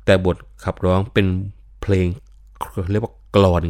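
An older man lectures on classical literature in a deep, low voice. He explains patiently and often adds polite particles. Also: flat delivery, moderate pace, a little mellow. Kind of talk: explanatory talk.

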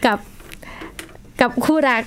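A woman's voice: takes it slowly, a bit bright, a little hiss or hum. A woman co-hosting a radio news discussion, explaining stories at length with polite particles. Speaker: co-host.

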